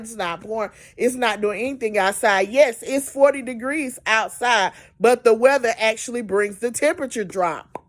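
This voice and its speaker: Exasperated woman ranting. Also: a little high. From Georgia, US. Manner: exasperated, emphatic, repeats words for stress. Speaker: amateur weather commentator. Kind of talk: casual weather update rant.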